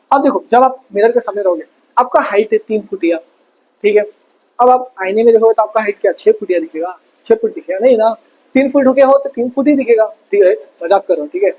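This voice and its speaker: A man's voice: high-pitched, darkish tone, rough recording. A male teacher with an Indian accent giving an exam revision lesson, cracking jokes and constantly asking his students questions. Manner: joking, calls himself bhaiya, keeps asking students questions.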